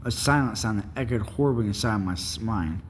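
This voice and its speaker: A man's voice: fairly low pitch, a little fast, big-room sound, a little hiss or hum. A man reading a novel aloud informally, with small stumbles and repeated phrases. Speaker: amateur reader of a novel aloud. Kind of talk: audiobook-style read-along narration with character voices.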